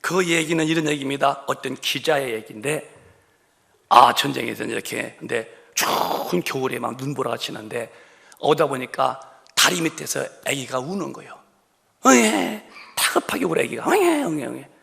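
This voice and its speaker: A man's voice: mid-range voice, normal speed, gravelly, pushed and bright. A male pastor preaching a sermon in a church, telling an emotional story and breaking it up with rhetorical questions. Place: church sanctuary.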